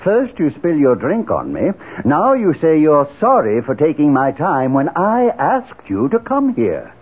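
Haughty male cult leader, high voice, sweeping intonation, formal declamatory delivery, old radio drama. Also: wildly swooping pitch, measured pace, breathy edge, full character voice. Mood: indignant. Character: proud, theatrical male leader of a fire-worshipping cult. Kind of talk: 1970s radio drama acting. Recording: tinny, narrow-band old radio recording, faint hiss.

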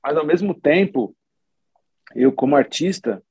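A man's voice: fairly high pitch, a little slow, vocal fry. A man, a musician guest, talking casually in an interview, loose and rambling with lots of slang. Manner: relaxed, rambling, full of slang and restarts.

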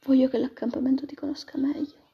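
Storybook heroine: proud, fiery young gypsy woman, read by a woman; husky, lo-fi. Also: sits high, flat delivery, fast talker, pitched above the performer's own voice, full character voice. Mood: soft. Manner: sharp and loud when angry. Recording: dull lo-fi recording.

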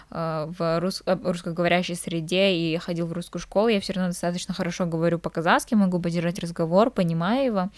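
A woman's voice: fairly low pitch, no room sound. A young woman from Kazakhstan co-hosting a podcast, talking casually with frequent hesitant filler sounds. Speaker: podcast co-host. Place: living in England.

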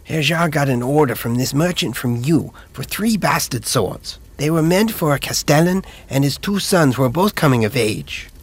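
A man's voice: on the high side, animated, moderate pace, few pauses, slightly rough, pitched above the performer's own voice. A man voicing a short, earnest young male apprentice who explains things eagerly. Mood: explaining.

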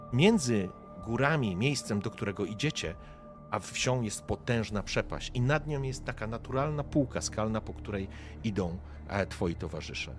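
A man running a tabletop game as game master, describing scenes directly to the players with frequent hesitations. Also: mid-range voice.

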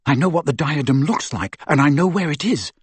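A man's voice: fairly high pitch, expressive, brisk, breathy edge, no echo. A man voicing a teenage boy hero in an audiobook story, urgent, direct and determined.

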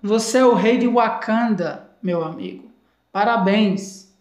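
Brazilian lady english teacher, slow and careful, mid pitch, echoey room. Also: darkish tone. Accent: Brazilian Portuguese. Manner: repeats English phrases slowly and carefully. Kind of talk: language lesson explaining a video clip.

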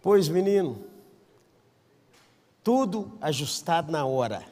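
A Brazilian man preaching a sermon as pastor, telling stories with acted-out quotes, swinging between loud calls and hushed asides. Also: fairly high pitch, slow pace, long reverb tail. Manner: animated storyteller, acts out quotes, swings from shouting to hushed. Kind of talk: sermon with storytelling. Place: church.

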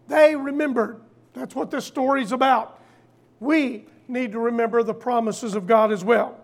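An older preacher delivering a sermon in a folksy storytelling way, repeating phrases deliberately for emphasis. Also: medium pitch, fairly even intonation.

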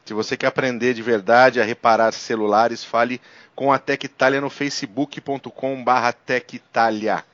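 Brazilian podcast host, dry muffled sound. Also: male voice, mid-range voice, fairly even intonation, moderate pace, a bit bright, dry recording. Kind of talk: podcast introduction and casual talk.

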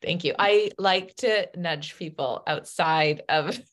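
A woman hosting a podcast in casual chat, emotional and gushing, often filling pauses with um and uh. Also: fairly low pitch. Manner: emotional, gushing, many ums and uhs. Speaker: podcast host.

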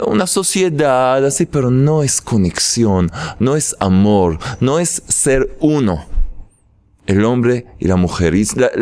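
Lively man teaching a lesson with jokes. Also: mid-range voice. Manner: lively storytelling, chuckles. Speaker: religious teacher. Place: in Jerusalem.

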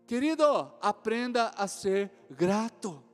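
High-voiced Brazilian man preaching in a hall. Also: slow, soft background music. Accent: Brazilian Portuguese. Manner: animated storytelling, acts out other voices, laughs often. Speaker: pastor. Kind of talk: sermon with acted anecdotes.

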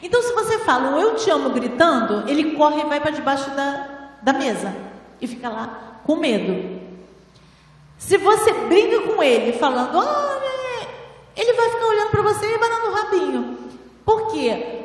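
A woman with a high voice gives a spiritual talk to a seated audience, teaching patiently and asking rhetorical questions. She speaks into a handheld microphone, but her voice arrives from a distance. It is wrapped in the long, booming reverb of a large hall. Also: big pitch swings, moderate pace. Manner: didactic, rhetorical questions, frequent "né?". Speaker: lecturer at a spiritual temple. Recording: echoey hall, voice from far off.

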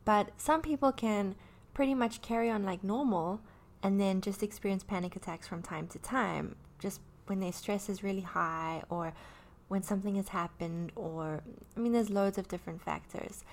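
A woman's voice: medium pitch, moderate pace. A woman in her early thirties talking candidly about her own anxiety, rambling with many fillers and restarts. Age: 30s. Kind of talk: personal talk about anxiety.

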